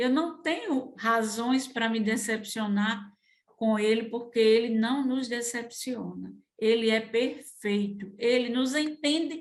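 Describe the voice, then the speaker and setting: A woman's fairly high voice in a Rio Grande do Norte accent, very slow in pace, with ordinary pitch variation. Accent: northeastern Brazilian (Rio Grande do Norte). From Brazil, Rio Grande do Norte interior. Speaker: Bible teacher. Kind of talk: Bible study teaching podcast. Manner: conversational, animated.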